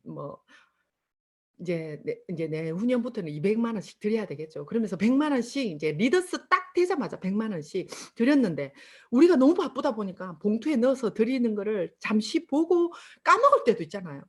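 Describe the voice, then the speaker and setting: A middle-aged woman with a Busan Gyeongsang accent, giving an animated testimonial speech to an audience and acting out the voices in her stories. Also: on the high side, brisk. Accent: Busan Gyeongsang dialect. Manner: animated storytelling with acted-out quotes. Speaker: motivational speaker at a sales seminar.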